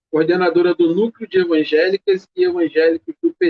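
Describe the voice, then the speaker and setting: In a Carioca accent, the speaker talks at a moderate pace with ordinary pitch variation. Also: man. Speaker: live show host. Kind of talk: interview.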